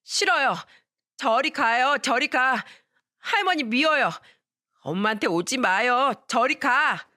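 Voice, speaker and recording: A storyteller voicing a small, distressed young boy who pleads in a high, tearful voice. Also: animated, takes it slowly, sharp tone, exaggerated voice. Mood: defiant.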